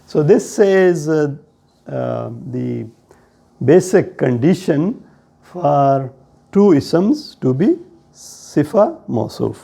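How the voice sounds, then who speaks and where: A man with a South Asian accent teaching a grammar lesson in a deliberate, explanatory way, often checking with questions. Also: fairly high pitch, big pitch swings, creaky, warm tone. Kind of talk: classroom lesson on Arabic grammar.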